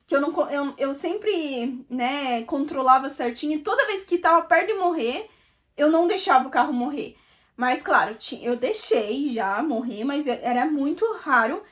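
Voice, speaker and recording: A woman giving an emotional personal faith testimony, chatting directly to her viewers. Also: high voice.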